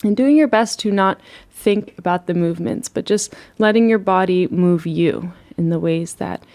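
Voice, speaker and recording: Soothing, mellow, lower-pitched woman guiding relaxation. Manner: soothing, unhurried, gentle instructing. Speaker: meditation and yoga teacher. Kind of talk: guided relaxation meditation.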